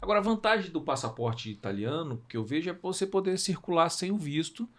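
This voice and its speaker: A man's voice: a little high, lively intonation, a little fast, fairly bright tone. A Brazilian man hosting a podcast, asking curious follow-up questions and giving frequent short affirmations. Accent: Brazilian Portuguese. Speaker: podcast host. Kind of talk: interviewing on a podcast.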